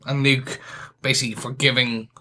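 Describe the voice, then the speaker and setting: A man with a bright, forceful voice co-hosts a casual podcast review. He speaks earnestly and keeps restarting his sentences. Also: medium pitch, little pitch movement, normal speed. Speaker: podcast co-host.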